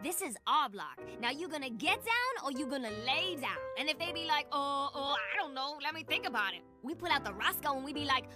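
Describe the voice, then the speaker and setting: A very high, cocky young girl from a cartoon swaggers through tough-guy talk. Her delivery is brash and mock-menacing, with loud music underneath. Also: very animated, brisk, hardly any pauses. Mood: swaggering. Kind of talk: cartoon voice acting.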